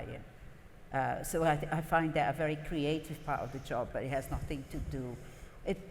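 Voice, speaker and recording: A woman design partner on a live panel, explaining her thinking in a thoughtful, measured way. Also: deep voice, darkish tone, a little hiss or hum. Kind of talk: unscripted panel talk. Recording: reverberant live conference hall.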